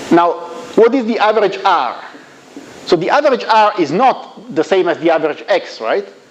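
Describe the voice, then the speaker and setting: A man speaks in a high voice with lively intonation. There is noticeable background noise. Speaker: physics lecturer. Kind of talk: lecture. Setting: recorded video lecture. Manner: fast; halting with fillers.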